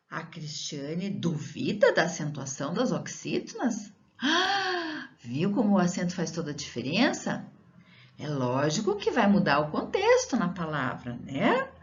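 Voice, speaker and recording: A woman schoolteacher from Brazil giving a recorded lesson to children, talking slowly and drawing out her words, asking the pupil questions as she goes. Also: on the low side, fairly bright tone, muffled recording. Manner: slow, drawn-out teacher talk with rising questions to the pupil.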